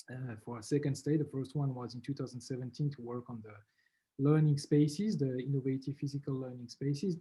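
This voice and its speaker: Somewhat breathy, a man talks at a fairly quick pace and medium pitch with a dark, mellow tone. His intonation is fairly even, while his loudness swings widely. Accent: French. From France. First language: French. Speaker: university lecturer. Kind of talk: lecture. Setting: video call.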